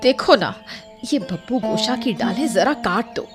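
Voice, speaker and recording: A woman voicing a sharp-tongued, bossy village wife in a cartoon story, nagging and scolding. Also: fairly high pitch, lively intonation, measured pace, music in the background. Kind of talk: cartoon voice acting.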